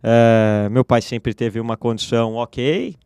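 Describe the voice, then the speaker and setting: A man's voice: medium pitch, takes it slowly, smooth, dry recording. Man in his forties, dry studio. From Brazil. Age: 40s. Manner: relaxed, personal, with restarts and fillers. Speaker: guest, entrepreneur. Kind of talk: interview storytelling. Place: radio studio.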